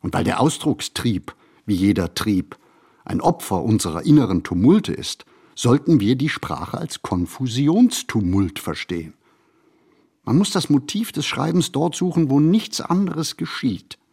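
An actor playing a reflective writer in a literary radio play, speaking his monologue in measured, deliberate phrases. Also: mid-range voice, big pitch swings, creaky, a little mellow, husky, full character voice. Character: reflective male writer musing on writing and society. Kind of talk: literary radio play monologue, scripted first-person narration.

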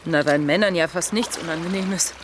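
Radio drama: actress as frank, dry woman in her thirties, offhand and slangy, over clearly audible splashing water. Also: on the low side, brisk, noisy background, natural voice. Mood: wry, chatty. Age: 30s. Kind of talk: naturalistic conversational radio drama. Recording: loud splashing water behind the voice. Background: sea water splashing and trickling.

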